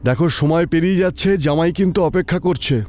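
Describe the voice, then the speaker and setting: A man's voice: fairly high pitch, steady tone, fast talker, very noisy, voice pushed up, close to an everyday voice. A man voicing an urgent, fretful father of the bride in an audio horror drama. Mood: anxious, urging. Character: worried, urging father of the bride.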